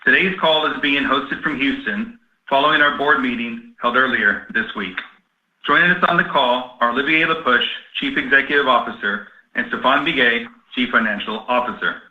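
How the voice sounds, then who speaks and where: A man's voice: medium pitch, normal speed, pushed and bright. Roomy, dull-sounding man reading corporate introduction. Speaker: investor relations executive opening the call. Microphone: conference call line. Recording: roomy, dull lo-fi conference call.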